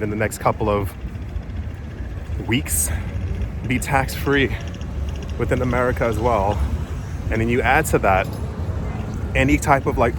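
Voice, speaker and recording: A man filming a casual vlog outdoors, rambling with many fillers and restarts, often keeping his voice low in public. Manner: drops his voice to talk quietly in public. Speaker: crypto vlogger. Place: outdoors on a city street with traffic. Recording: street traffic noise behind.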